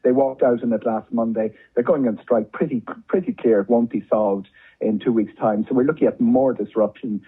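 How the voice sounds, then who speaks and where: A man's voice: medium pitch, normal speed, breathy edge, phone-quality sound. A man with an Irish accent, a travel journalist giving conversational, discursive commentary as a guest, often repeating words for emphasis.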